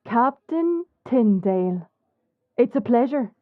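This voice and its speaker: A woman with an Irish accent playing a bold, sly smuggler captain in an audio drama, composed and cheeky in a measured way. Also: fairly high pitch, lively intonation, no room sound, phone-quality sound. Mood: polite, charming. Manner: measured, deliberate. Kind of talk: audio roleplay acting with story narration.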